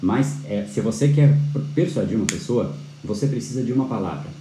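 A man teaching a live-streamed persuasion class, animated, often tagging his points with quick questions and restarting words. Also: on the low side, reverberant, over music, rough recording. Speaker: persuasion course instructor.

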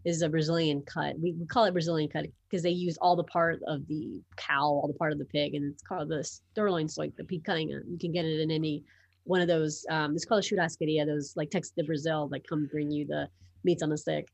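In a dry recording, a woman with a low-pitched, creaky voice speaks fairly quickly with flat delivery. A native Portuguese speaker and sports publisher from Miami, United States, she's a talkative podcast guest in a casual interview chat, full of ums and restarts.

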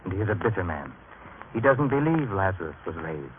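Radio drama elder: a knowing, confiding older man, somewhat low, on a tinny recording. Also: big pitch swings, a crowd in the background. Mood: grave, confiding. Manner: hushed, measured, confiding. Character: older, knowing man hushing others in temple. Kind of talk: vintage radio drama acting.

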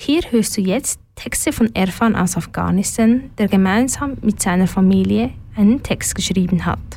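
A woman hosting a radio show, reading clear scripted links between contributions. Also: medium pitch, normal speed, warm tone.

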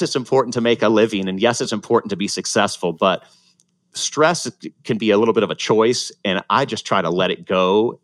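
A low-voiced man in his forties tells his story in an interview. He sounds earnest and reflective and often restarts his sentences. The sound is close and dry, with no room echo. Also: a bit bright. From Ohio, USA, born in Ecuador. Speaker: guest, former pro triathlete.

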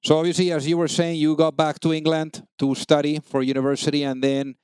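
A man's voice: a little high, little pitch movement, fairly quick, a little mellow, smooth, dry recording, studio quality. A man hosting a business podcast, introducing his guest and asking questions with enthusiasm and frequent restarts. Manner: enthusiastic, repeats words when restarting. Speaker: podcast host. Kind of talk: conversational interview.

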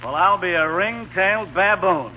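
A man's voice: high-pitched, expressive, moderate pace, narrow, tinny audio. An actor playing a brash, bossy, wisecracking film publicity man in a 1930s radio comedy, cutting in and ordering people around. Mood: brash, amused. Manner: domineering, wisecracking, cuts others off. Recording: crackly, thin 1930s radio broadcast.

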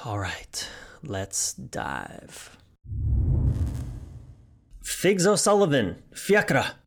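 A man's voice: medium pitch, wildly swooping pitch, extremely slow, gravelly, pauses often. A man hosts his own podcast, first introducing the episode and then chatting with a guest. He talks in a casual, enthusiastic way and sounds openly engaged with the conversation. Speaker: podcast host.

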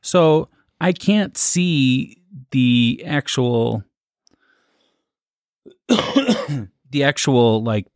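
A man's voice: lowish voice, no room sound, clean studio sound. Hesitant man thinking aloud on a podcast. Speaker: podcast co-host. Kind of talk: casual chat.

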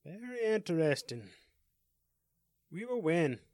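A shadowy robed crime boss who keeps his voice low and hands out orders without raising it, voiced by a man reading the tale. The delivery is slow and measured, recorded close and dry. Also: very animated, a little mellow, no echo, exaggerated voice. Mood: commanding.

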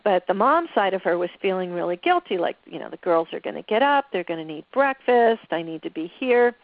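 A woman's voice: lowish voice, very animated, a little fast, no room sound, narrow, tinny audio. Confident woman telling relationship stories. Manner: anecdotal, confident, conversational. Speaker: relationship author guest. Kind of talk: storytelling interview answers.

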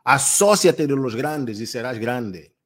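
A man's voice: mid-range voice, lively intonation, slow, fairly bright tone. A man, likely in his thirties, giving an emphatic motivational talk as a coach, speaking straight to his listeners and repeating his points. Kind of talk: motivational talk to a live audience.

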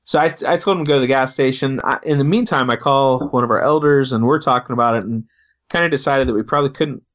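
Male pastor, casual storyteller, halting delivery, average pitch, dull lo-fi recording. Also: a bit bright. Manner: halting, repeats words as he talks.

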